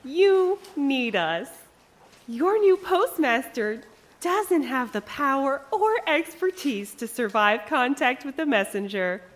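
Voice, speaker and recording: Actress doing a creepy sweet cult lady for audio drama, super animated, takes her time, condescending. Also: high-pitched, slow pace, full character voice. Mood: smug, taunting. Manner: theatrical, mock-sweet, condescending. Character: sly, syrupy female cult acolyte, falsely devoted.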